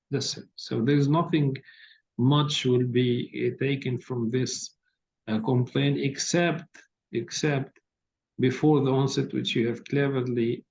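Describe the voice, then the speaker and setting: Over a video call, an exam tutor with a low, soft, gravelly voice gives feedback that is hesitant and full of fillers but still corrective and direct. The laptop mic produces dull lo-fi audio with a faint hiss.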